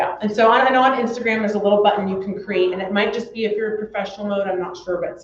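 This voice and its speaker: A woman at medium pitch talking at a very fast pace, with audible room echo and noticeable background noise. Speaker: mortgage lender, seminar presenter. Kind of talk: seminar presentation. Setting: live seminar with audience. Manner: animated.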